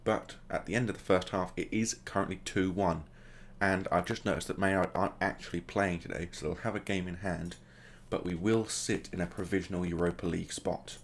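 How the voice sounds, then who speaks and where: A man's voice: sits low, steady tone, brisk, few pauses, a little hiss or hum. A man hosting a gaming video, casually commentating the play as it happens and adding joking asides. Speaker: gaming channel host.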